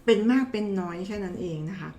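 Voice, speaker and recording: This time the woman doctor's voice is lower and mellow, though she still speaks at a quick pace. Her health explainer stays casual and chatty, teasing viewers familiarly, with a roomy echo around her.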